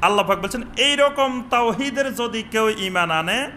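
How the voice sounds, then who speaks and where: Bright-voiced preacher man. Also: high voice, expressive, slight background noise. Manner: chants Arabic phrases slowly, questions the audience. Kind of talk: sermon. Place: mosque with upper floor and veranda.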